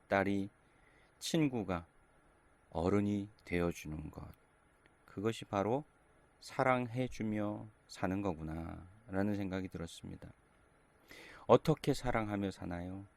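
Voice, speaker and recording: Low-voiced middle-aged man preaching gently. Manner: gentle, conversational preaching in short phrases. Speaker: pastor. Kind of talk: sermon.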